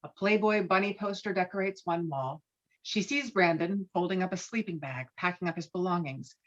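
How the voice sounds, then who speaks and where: A woman's voice: on the low side, normal speed. A woman reading stage directions as scripted narration, heard through muffled call audio.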